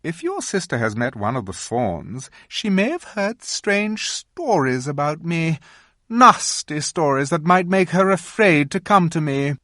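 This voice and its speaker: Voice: mid-range voice, very animated, a little slow, a bit bright, no echo, clean studio sound, pitched above the performer's own voice. A reader voicing a cunning, imperious witch queen who coaxes and commands in a storybook reading. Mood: coaxing. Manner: coaxing, commanding. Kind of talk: audiobook reading.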